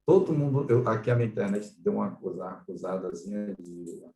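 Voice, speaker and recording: Low, mellow Brazilian man teaching, roomy sound. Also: animated, a little fast. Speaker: catechist leading a Bible study. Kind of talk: explanatory Bible lesson with scripture read aloud. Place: online video-call class. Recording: roomy echo, distant microphone.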